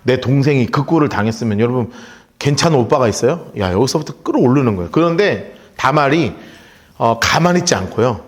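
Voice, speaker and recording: Animated male pastor teaching the Bible. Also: medium pitch, brisk. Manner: storytelling, acts out the characters' lines. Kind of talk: Bible study sermon. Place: church.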